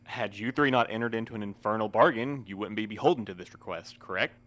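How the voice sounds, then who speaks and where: A low male voice from an actor plays a weary postmaster in an audio drama. He phrases everything formally and at length, with a dry, sardonic edge. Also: fast, a bit bright, lightly acted. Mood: grave.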